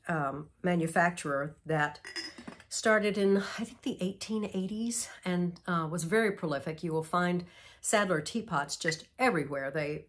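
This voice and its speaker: A middle-aged woman hosting a vlog, explaining in a gentle, measured way, sounding nasal from a cold. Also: on the low side. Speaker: vlog host. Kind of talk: casual instructional vlog. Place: antique mall, indoors.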